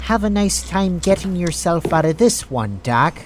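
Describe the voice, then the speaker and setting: An actor playing a sly, gloating villain in an audio drama, speaking deliberately as if muttering to himself. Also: male voice, sits high, expressive, background noise. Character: scheming, gloating villain plotting a frame-up.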